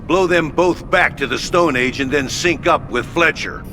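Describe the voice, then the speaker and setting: A gruff, swearing headquarters officer. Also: male voice, fairly high pitch, slight background noise. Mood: urgent. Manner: brisk orders with rough swearing. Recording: game audio under loud music.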